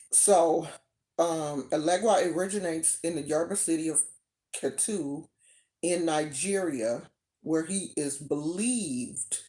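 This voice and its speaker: A woman's voice: sits low, warm tone. An American woman teaching casually to a live audience, chatty and repeating herself for emphasis. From United States. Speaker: teacher of a religious tradition.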